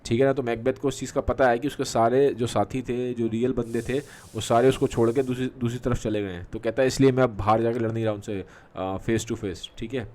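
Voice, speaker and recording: A man's voice: medium pitch, steady tone, darkish tone. A man teaching literature, explaining a play in casual Hindi mixed with English, full of fillers and check-ins. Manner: mixes Hindi with English terms, many fillers and "theek hai" checks; reads quoted verse slowly with halting restarts.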